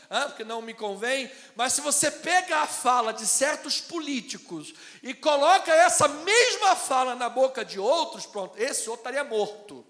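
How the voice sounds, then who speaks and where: A man from Rio de Janeiro with a Carioca accent preaches from the pulpit in a remarkably high voice. He swings between booming proclamations and soft, chatty asides. His words ring out with the long reverb of a church sanctuary. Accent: Carioca Brazilian Portuguese. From Brazil (Rio de Janeiro). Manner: swings from loud proclamations to quiet conversational asides. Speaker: pastor. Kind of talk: sermon.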